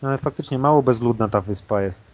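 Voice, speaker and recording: A man in a relaxed gaming chat with friends, quick with a joke and easy in his delivery. He talks plainly, at an everyday middle pitch. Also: highs cut off. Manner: casual, joking, laughs often. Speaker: gaming commentator. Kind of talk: casual chat watching game trailers.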